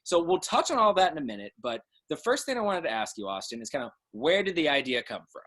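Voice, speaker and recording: A young man hosting an interview in an animated, showy way, enthusiastic and playful. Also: on the high side, fast talker. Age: young adult. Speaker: interview host. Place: video call from indoors.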